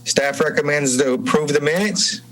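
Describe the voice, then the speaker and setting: A man chairing a public meeting in formal procedural language, speaking in a halting, deliberate way. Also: a little high, a bit bright, poor audio. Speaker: commission chairman. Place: remote meeting over Zoom.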